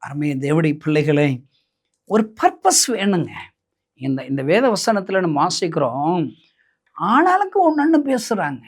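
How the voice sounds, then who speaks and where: A man's voice: fairly high pitch, animated, a little slow, long pauses. A man preaching a fervent Christian sermon, emphatic and firing rhetorical questions at his listeners. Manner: emphatic, fires rhetorical questions, shouts hallelujah between points.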